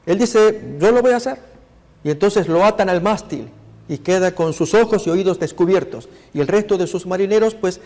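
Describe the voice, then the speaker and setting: High-voiced preaching pastor in echoing hall. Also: male voice, darkish tone. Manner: earnest preacher addressing the brethren. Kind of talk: sermon with slides. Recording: long hall reverb.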